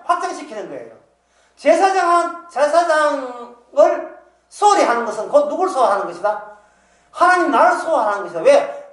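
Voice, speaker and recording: A male preacher with a Gyeongsang Korean accent delivers a sermon in a lively, swooping voice, asking rhetorical questions and dropping into dialect. He sounds set back from the mic in a roomy, echoing hall. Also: extremely high pitch, far from the mic. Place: church hall.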